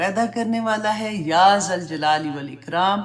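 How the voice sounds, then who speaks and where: Speaking very slowly with ordinary pitch variation, a woman is heard amid audible room echo and noticeable background noise. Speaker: Islamic religious teacher. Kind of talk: religious lecture.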